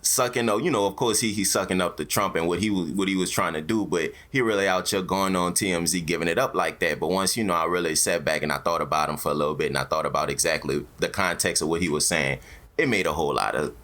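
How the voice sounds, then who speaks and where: Deep-voiced African American man talking casually. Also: fast, fairly bright tone. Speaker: podcast host. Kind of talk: casual opinionated talk, slang and profanity.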